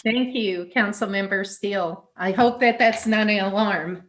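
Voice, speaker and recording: A woman's voice: medium pitch, unhurried, slight background noise. A woman chairing a council meeting over a video call, friendly and informal, with fillers like uh.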